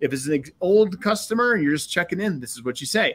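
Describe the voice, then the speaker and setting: Speaking at a fairly quick pace, a man uses lively intonation. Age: 40s. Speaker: software company co-founder. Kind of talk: interview. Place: home room.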